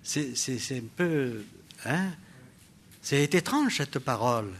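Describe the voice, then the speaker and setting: An older man preaching a sermon, addressing the congregation with rhetorical questions, swinging between loud exclamations and quiet asides. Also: medium pitch, lively intonation, slow pace, slight background noise.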